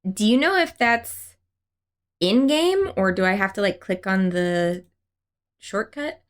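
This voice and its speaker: A woman's voice: mid-range voice, animated, slow pace. A young woman chatting casually on a game stream, rambling through a story and reading chat aloud. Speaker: livestreamer.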